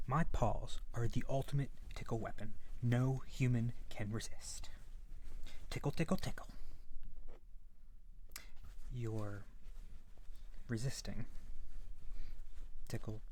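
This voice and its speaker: A man playing a gentle, fluffy monster from under the bed in a soft-spoken ASMR roleplay, hesitant and reassuring, very close to the mic. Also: mid-range voice, slight background noise. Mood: playful. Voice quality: soft, breathy at times. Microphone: very close to the microphone.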